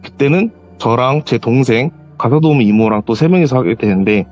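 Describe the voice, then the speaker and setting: A man calling in to tell his own ghost story, lively and animated, jumping his voice up high whenever he acts out what someone said. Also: brisk, muffled recording, faint music behind. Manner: animated, acts out quoted voices with sharp pitch jumps. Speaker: caller telling a personal story. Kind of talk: call-in horror storytelling. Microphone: voice call.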